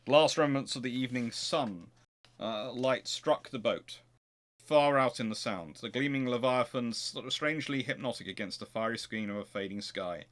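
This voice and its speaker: A man's voice: medium pitch, normal speed, fairly bright tone. A man hosting a naval history show, speaking informally as he answers questions and reads aloud, often correcting himself. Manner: hesitant, thinking aloud, self-correcting.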